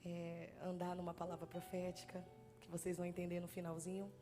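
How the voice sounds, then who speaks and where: A Bahian woman in her thirties, a guest preacher, speaks Portuguese with a Bahian accent into a handheld mic in a church sanctuary before her sermon, music playing behind her. Her voice is fairly low, her pace brisk and her delivery completely flat, yet she is nervous and trembling as she chats, jokes with the congregation and pokes fun at herself.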